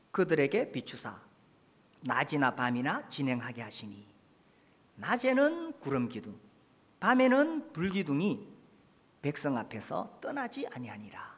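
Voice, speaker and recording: A man's voice: husky, big-room sound. A man preaching a sermon as pastor, asking his congregation questions as he goes. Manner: lively, rises and falls in pitch, asks the congregation questions.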